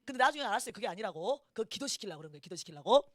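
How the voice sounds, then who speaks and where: A woman's voice: mid-range voice, rapid-fire, no room sound. A middle-aged woman pastor, preaching a sermon and telling a personal story, acting out the voices in it. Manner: animated storytelling, acts out quoted dialogue.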